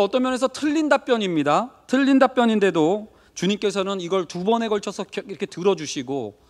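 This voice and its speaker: A male pastor preaches a Wednesday sermon in a slightly high, very animated voice, with his pitch rising and falling freely. He talks with the congregation, asks them questions and briefly acts out quoted lines. The sound rings with the long reverb of a church sanctuary.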